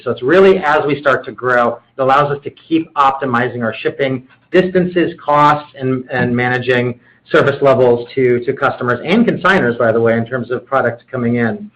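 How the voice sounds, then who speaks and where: A man's voice: medium pitch, a bit bright. A man speaking as a company executive, explaining business matters on a conference call. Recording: dull conference call audio.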